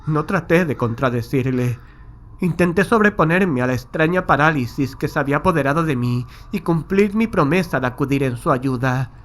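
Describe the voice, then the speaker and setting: A man's voice: on the high side, animated, normal speed, fairly bright tone. A man narrating a horror audiobook in the first person, with a solemn, literary, dramatic delivery.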